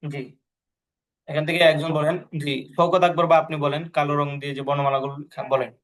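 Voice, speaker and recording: Male teacher, patient, repetitive delivery, slightly high voice. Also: fairly even intonation, fast talker. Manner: repetitive, patient, many fillers and pious phrases. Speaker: English teacher. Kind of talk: online language class, explaining to students.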